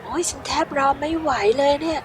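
Woman dubbing a curious, cheeky teenage rebel in a game, chatty and exclaiming, high voice. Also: brisk, soft background music, close to an everyday voice. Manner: lively exclaiming, casual slangy talk.

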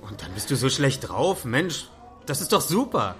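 Lively, chummy male friend. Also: mid-range voice, moderate pace, a little hiss or hum. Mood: upbeat, chummy. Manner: chummy, urging. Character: hearty, encouraging friend and fellow asylum patient. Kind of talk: German horror audio drama acting.

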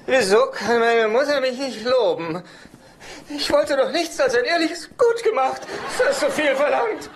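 A man's voice: very high-pitched, expressive, measured pace, background noise. An actor playing a neurotic, needy, self-pitying divorced father in a German-dubbed sitcom, stammering and whiny.

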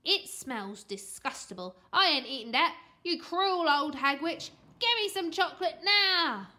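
A woman plays a spoiled little boy from a children's storybook, greedy and sly. The voice is high and piercingly bright, swinging widely as he whines and makes his demands. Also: sing-song, unhurried, full character voice. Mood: outraged. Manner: whiny, slangy, demanding.

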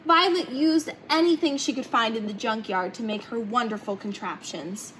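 Young woman, high voice, children's story read-aloud, clear background noise in the room. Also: fairly bright tone, rough recording. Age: young adult. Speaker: storybook reader. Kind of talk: reading a children's picture book aloud. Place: indoor hangar-like museum room, seated in open cockpit.

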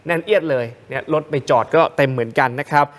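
A man's voice: on the high side, animated, fast talker. A man co-hosting a morning news show, joking with his co-host while narrating travel footage. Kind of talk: casual live TV chat over travel footage.

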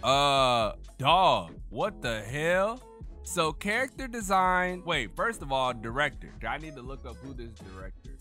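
Casting: male reaction streamer, bright forceful voice, big pitch swings, slangy, swears, repeats himself emphatically. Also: very animated, measured pace, faint music behind. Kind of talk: casual excited reaction commentary.

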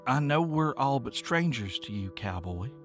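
A man voicing a kind countrywoman who speaks softly and gently to a frightened child. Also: fairly high pitch, big pitch swings, moderate pace, music in the background. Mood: gentle, reassuring. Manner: soft, gentle, reassuring. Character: gentle kindly Appalachian countrywoman, middle-aged.

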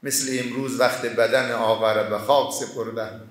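A man with an Afghan Dari accent delivering a Friday prayer sermon in a large hall, shifting into a soft, mournful tone for a story of grief. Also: mid-range voice, steady tone. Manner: emotional, slows and drops to a soft mournful tone.

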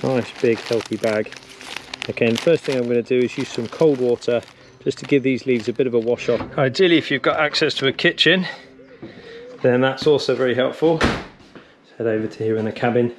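A man's voice: medium pitch, fairly quick, slight background noise. A man in his thirties giving an upbeat, practical outdoor how-to lesson as a bushcraft instructor, speaking on an action camera in the woods and a cabin. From England. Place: woodland camp and wooden cabin.

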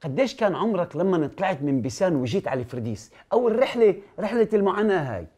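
A man's voice: high-pitched, sing-song, racing, warm tone. A middle-aged man who hosts and interviews in a friendly, talkative way. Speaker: host and interviewer. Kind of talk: documentary interview and narration.

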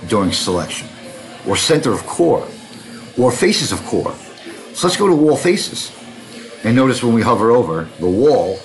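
A middle-aged man with a New York accent teaching a software tutorial, wandering into chatty asides and repeating himself. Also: medium pitch, rough recording. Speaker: software instructor. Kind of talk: screen-recorded software tutorial.

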